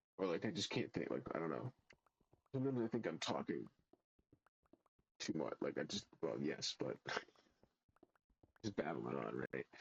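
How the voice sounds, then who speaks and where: A man's very deep, low voice with vocal fry, very even loudness, and a dry, close sound with no echo. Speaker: gaming streamer. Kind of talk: live gameplay commentary. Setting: live stream. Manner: halting; fast.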